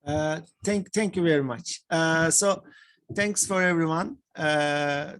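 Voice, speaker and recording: A man's voice: fairly high pitch, slow, fairly bright tone. A man from Turkey, giving an academic panel presentation over a video call, with frequent fillers and restarts. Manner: hesitant, many fillers and repeated words. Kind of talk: conference presentation.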